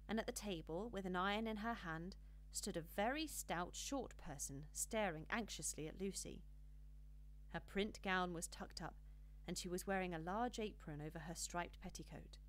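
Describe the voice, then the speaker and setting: A woman reading a children's storybook as an audiobook narrator, with an expressive, measured storytelling delivery. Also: lowish voice, slight background noise.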